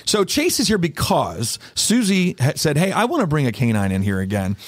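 A man's voice: a little high, huge pitch swings, no echo. A man hosting a casual studio interview, joking and bantering with guests. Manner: jokey, quick to banter. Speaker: interview show host.

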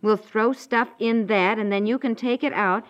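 An actress playing a practical, fondly nagging housewife in a chatty 1950s radio domestic comedy. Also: female voice, a little high, moderate pace, close to an everyday voice. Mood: brisk, teasing. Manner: chiding, conversational, chuckling exasperation. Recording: dull lo-fi 1950s radio recording.

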